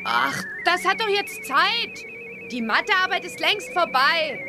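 A woman's voice: extremely high pitch, lively intonation, slow pace, over music, exaggerated voice. A woman playing a young witch girl in a children's radio play, heard in a played clip. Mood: whiny.

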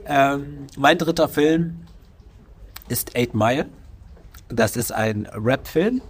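A man with a cold, a wedding videographer chatting as a podcast guest, enthusiastic and quick to chime in. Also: mid-range voice, slightly rough. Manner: enthusiastic, eager interjections. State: has a cold, coughing. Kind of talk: casual chat.

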